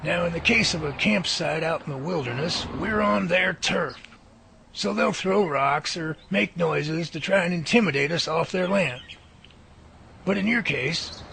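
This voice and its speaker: Man acting an earnest, high-voiced, creaky professor. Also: pushed and bright, slight background noise, exaggerated voice. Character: earnest, reassuring male professor studying Bigfoot. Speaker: Bigfoot researcher character. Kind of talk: amateur radio drama dialogue.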